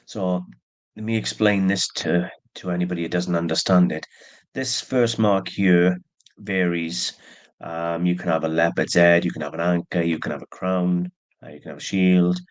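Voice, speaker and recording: A man with a low, deep voice talks casually through a jewelry haul. He is stuffy with allergies and keeps a chatty, plain manner with small asides. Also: normal speed. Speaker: antique jewelry seller. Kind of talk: casual show-and-tell narration.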